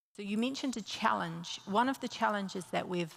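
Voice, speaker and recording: In a New Zealand accent, a woman talks at a fairly quick pace on a very clean recording with a silent background. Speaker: university gender equality lead. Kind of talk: conference panel talk. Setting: conference with audience.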